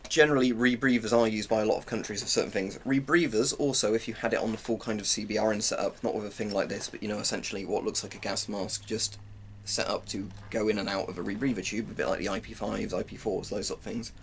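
A man's voice: fairly low pitch, steady tone, quick pace. A British man in his twenties giving an informal, rambling explanation as he demonstrates gear. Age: 20s. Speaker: presenter of military gear reviews. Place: small cluttered room at home. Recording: clearly noisy home-room recording.

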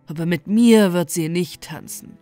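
A lovesick young man as a woman storyteller gives him voice, pitched a touch low and lamenting his lost chance with heartfelt sorrow. Faint music hums beneath. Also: normal speed, dark tone, close to an everyday voice. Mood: lovelorn.

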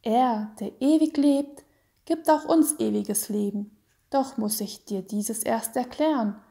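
A woman voicing a sick young mother in a storybook reading, speaking softly and weakly, often half-whispered. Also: on the high side, takes it slowly, creaky. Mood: consoling. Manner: soft, weak, half-whispered.

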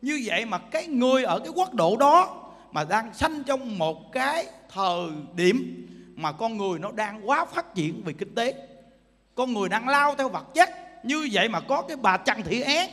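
A Buddhist monk preaches with a bright, forceful, very high voice. He keeps pressing his listeners with emphatic rhetorical questions. His words ring out with a long reverb, as if in a large hall. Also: very animated, moderate pace. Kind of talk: sermon.

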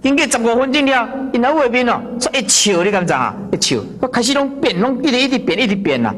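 A Buddhist monk with a Taiwanese accent giving a storytelling sermon, often clearing his throat and slowly repeating phrases for emphasis. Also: very high voice, big pitch swings, noisy background.

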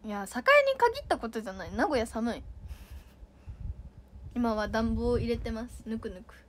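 A woman's voice: a little high, animated, moderate pace, a little hiss or hum. A young woman chatting casually on a livestream, playfully reading out viewer comments and reacting with giggles. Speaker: idol livestreamer.

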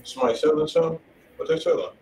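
A man co-hosting a music stream in casual chat, speaking in a halting, offhand way. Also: fairly high pitch, lively intonation, mellow. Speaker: music review show co-host. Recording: distant mic, roomy, faint noise.

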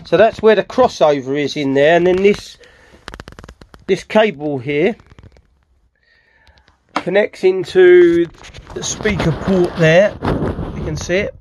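A middle-aged British man talks casually through a restoration job in his workshop. His voice sits slightly high, and he rambles informally, rephrasing as he goes. The handheld recording sounds a bit dull and lo-fi. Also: slow pace, pauses often, darkish tone, a little hiss or hum. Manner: informal, rambling, self-correcting. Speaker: furniture restorer presenting his project. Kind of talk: casual hands-on video walkthrough. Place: cluttered indoor wooden workshop. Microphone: handheld camera mic, speaker behind camera.

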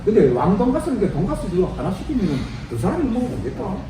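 A man's voice: high-pitched, big pitch swings, racing. A middle-aged man chatting casually as host of a mukbang, often echoing phrases back. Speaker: food show host. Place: restaurant. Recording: clear background noise, on location.

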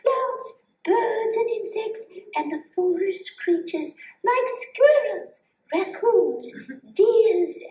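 An earnest, gently instructive woman puppet, voiced by a woman, explains mindfulness in a live puppet show. Her voice is very high and swoops with lively enthusiasm. The sound is roomy and distant. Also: slow pace, full character voice. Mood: serene.

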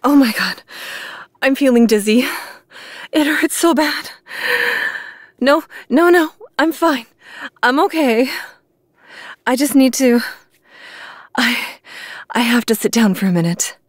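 Woman doing a lovestruck vampire hunter girl for asmr roleplay, slow soft hesitant talking, earnest n insecure, close dry mic. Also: sits high, lively intonation, no room sound, full character voice. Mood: pained, reassuring. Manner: hesitant, pleading, soft confessional delivery with pauses. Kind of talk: intimate ASMR roleplay acting. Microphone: close microphone, dry recording.

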